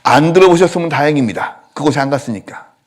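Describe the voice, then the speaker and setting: A male pastor preaching a sermon in a church, telling stories with lively acted-out quotes. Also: fairly high pitch, fast. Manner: animated storytelling, acting out quotes. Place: church sanctuary.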